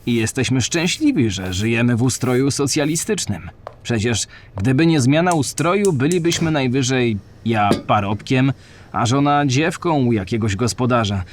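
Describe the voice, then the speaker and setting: A man's voice: medium pitch, lively intonation, moderate pace, slight background noise, lightly acted. A man playing a contented married farm worker, reading his diary aloud in a plain, earnest way.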